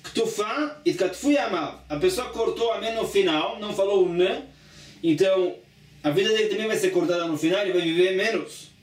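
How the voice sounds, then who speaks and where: A man's voice: sits high, a little fast. A man teaching a Talmud lesson, reading a line of the text aloud and then explaining it step by step. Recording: echoey room, voice from a distance.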